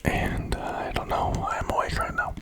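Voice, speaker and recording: Man whispering rambling, casual ASMR. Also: moderate pace. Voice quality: breathy, voiceless whisper. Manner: musing, rambling, slangy. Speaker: ASMR video creator.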